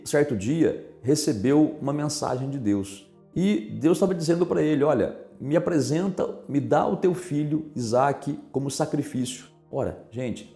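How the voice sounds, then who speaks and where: A man preaching a sermon as a pastor, speaking straight to his listeners and asking them questions. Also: fairly high pitch. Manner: asks listeners direct questions. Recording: echoey room with soft music. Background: soft music.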